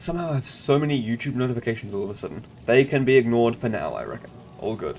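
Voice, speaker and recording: A man at a very fast pace and medium pitch, ordinary pitch variation, big swings in loudness, noticeable background noise. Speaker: gaming streamer. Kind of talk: live gameplay stream. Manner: casual, thinking aloud.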